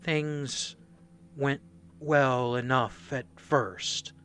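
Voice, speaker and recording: A man playing a shaken, nervous mercenary foot soldier who gives halting, stammering testimony in a radio play. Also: mid-range voice, a bit bright, faint music behind. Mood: haunted recollection. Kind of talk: radio play dramatic monologue.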